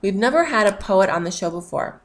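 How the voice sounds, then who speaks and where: A woman's voice: mid-range voice, animated, fairly quick, slight background noise. A woman hosting a podcast interview, talking in a chatty, upbeat, rambling way. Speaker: podcast host. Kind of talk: casual interview chat.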